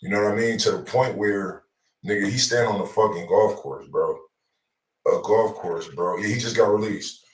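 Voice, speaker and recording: A man's voice: fairly low pitch, moderate pace, far from the mic. A man co-hosting a casual talk show, telling stories in slangy, profane, repetitive speech, recorded in a roomy space away from the mic. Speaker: radio show co-host. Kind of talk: casual chat.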